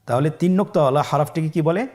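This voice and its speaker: A man's voice: fairly high pitch, fast talker, a little mellow. A man with a Bangladeshi Bengali accent, teaching Quran reading step by step, patiently repeating each letter for the viewer to echo. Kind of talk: step-by-step Arabic letter lesson.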